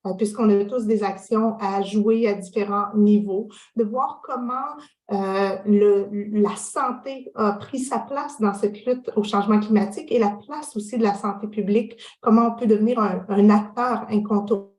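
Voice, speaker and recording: A woman's voice: mid-range voice, steady tone, moderate pace, darkish tone, echoey room, poor audio. A woman with a Quebec French accent interviewing a guest on a video call, earnest and full of fillers. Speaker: interviewer, public health director.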